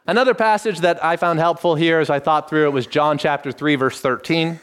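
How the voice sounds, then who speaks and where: A middle-aged man preaching, teaching in a measured tone and lifting his voice to stress key phrases. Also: fairly high pitch, a bit bright, clean tone. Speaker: pastor. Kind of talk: expository sermon.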